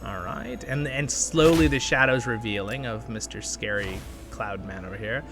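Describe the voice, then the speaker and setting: A man's voice: on the low side, moderate pace. Chatty male gaming host over prominent music. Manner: enthusiastic, chatty, thinking aloud while playing. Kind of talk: casual gameplay commentary. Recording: music playing behind the voice.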